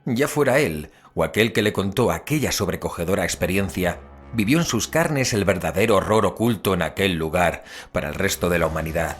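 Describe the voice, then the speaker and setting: A man's voice: deep voice, animated, fairly quick, husky, faint music behind. A man playing a grave, haunted investigator, narrating an audio drama in a solemn, literary way. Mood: grave, horrified. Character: male investigator recounting dark horrors, grave and haunted.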